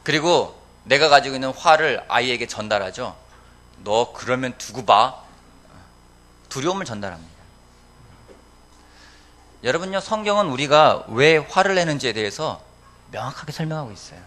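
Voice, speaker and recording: A man's voice: mid-range voice, expressive, fairly quick, a bit bright. A male pastor preaching a sermon, often asking the congregation questions and answering them himself. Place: church sanctuary.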